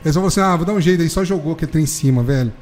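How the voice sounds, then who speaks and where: A man telling an animated, slangy story in casual chat, peppering it with "velho". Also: a little high, very fast. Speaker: football fan telling a story.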